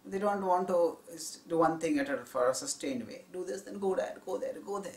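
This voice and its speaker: A man's voice: high-pitched, darkish tone. Man teaching scripture in an echoey room. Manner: measured, explanatory teaching tone. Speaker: spiritual teacher. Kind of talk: spiritual discourse on scripture. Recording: roomy echo.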